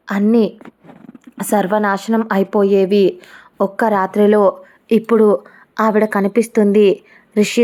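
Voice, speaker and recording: A woman narrating a story in a steady, even reading voice. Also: medium pitch.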